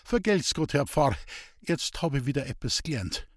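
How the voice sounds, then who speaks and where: Man voicing a simple Bavarian peasant woodcutter, storybook, raised husky voice, earnest. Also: fairly high pitch, sing-song, normal speed, no room sound, clean studio sound, voice pushed up. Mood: eager, simple. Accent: Bavarian dialect. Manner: eager, pleading, naive. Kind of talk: audiobook character voice.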